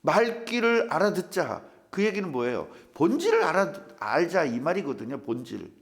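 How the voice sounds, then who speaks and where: Older man, pastor, church sermon, gravelly voice, swooping pitch, funny stories. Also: wildly swooping pitch, brisk, faint music behind. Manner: humorous storytelling, acts out quoted voices.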